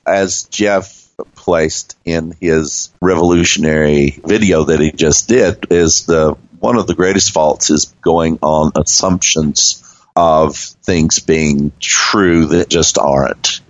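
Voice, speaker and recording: A man's voice: extremely low pitch, slow, dry recording, lo-fi sound. A man co-hosting a casual talk on faith, rambling and posing questions as he teaches. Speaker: co-host. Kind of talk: casual religious discussion.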